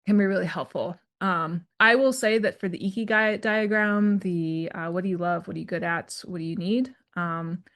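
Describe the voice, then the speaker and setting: A woman's voice: on the low side, fairly even intonation, moderate pace, few pauses, a bit bright. A woman hosting her own solo career podcast, talking in a chatty, candid way with many asides and fillers. She calls herself a bit introverted. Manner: self-described introvert. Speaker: podcast host and career coach.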